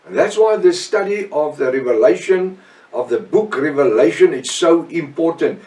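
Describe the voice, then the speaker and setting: A man's voice: on the high side, animated, a little mellow. Echoey South African Afrikaans preacher, male, middle-aged. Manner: earnest, emphatic, halting delivery with repetition and short phrases. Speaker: preacher and Bible teacher. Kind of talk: extemporaneous Bible teaching sermon. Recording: echoey room, distant microphone.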